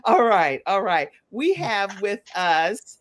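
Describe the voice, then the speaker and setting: A woman's voice: medium pitch, very animated, takes it slowly. A woman hosting a casual talk show, reading out comments with affirming, teasing exclamations. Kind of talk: casual panel chat, reading viewer comments aloud.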